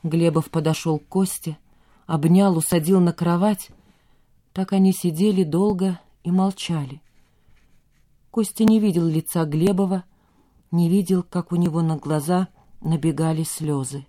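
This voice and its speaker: Calm woman narrating a novel. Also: lowish voice. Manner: measured, calm storytelling. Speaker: audiobook narrator. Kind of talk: literary audiobook narration.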